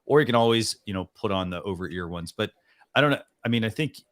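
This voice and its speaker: A man's voice: lowish voice, expressive, fast talker, a bit bright, no echo. A man co-hosting a live stream, chatting casually in a rambling way with lots of restarts. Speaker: co-host of a live stream show.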